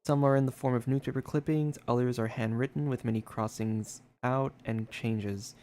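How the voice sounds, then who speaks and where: A man streaming a story game. His voice sits at an average pitch as he reads the on-screen text aloud and drops into casual, conversational commentary. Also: darkish tone.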